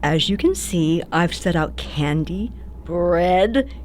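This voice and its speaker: A woman's voice: on the low side, lively intonation, darkish tone, slight background noise. A woman playing an old grandmotherly hostess who tells spooky stories in a radio play, theatrical, doting and sinister. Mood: sweetly menacing. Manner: theatrical, drawn-out, cooing.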